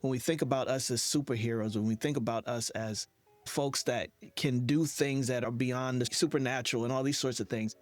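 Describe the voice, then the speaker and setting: A man's voice: medium pitch, fairly even intonation, fairly quick, dry recording, faint music behind. A man hosting a conversational podcast interview in an earnest, affirming manner.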